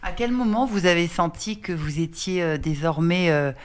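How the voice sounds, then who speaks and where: A woman's voice: on the low side, moderate pace. A woman interviewing a guest, asking long questions with many hesitations. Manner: hesitant, searching questions with fillers.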